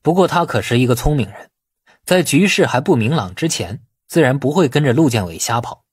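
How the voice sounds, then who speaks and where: A man reading a novel as dramatic scripted narration, in a husky voice. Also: mid-range voice, lively intonation, fairly quick, darkish tone, no room sound, studio quality. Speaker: audiobook narrator.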